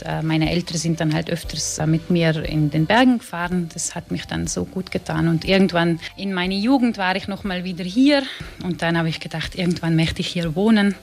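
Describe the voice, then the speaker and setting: A woman's voice: lowish voice, normal speed, creaky. Flemish woman, hesitant. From Flanders, Belgium. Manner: hesitant, searching for words.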